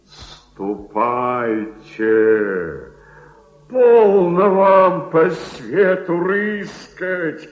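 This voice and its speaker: An actor playing an old miserly baron in a radio play, declaiming verse as a tormented man hungry for power and in love with his treasure. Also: medium pitch. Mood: gloating, rapturous. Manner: declamatory, from hushed gloating to anguished cries. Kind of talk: theatrical dramatic monologue in verse, Russian radio play. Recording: echoey, dull archival radio recording.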